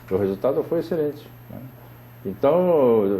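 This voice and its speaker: A man talks with lively intonation and a dark, mellow tone. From Brazil, interior of São Paulo state. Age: 70s. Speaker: health researcher and therapist. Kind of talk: interview. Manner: halting, with repeated words and fillers.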